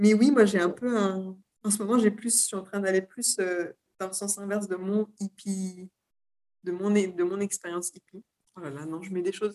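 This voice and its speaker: A woman speaks at a moderate pace with a medium pitch, fairly even intonation and a dark, mellow tone. Her loudness swings widely, and she takes long, frequent pauses. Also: dry, close sound with no echo. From Mexico. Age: 30s. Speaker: yoga teacher and author. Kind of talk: casual interview chat.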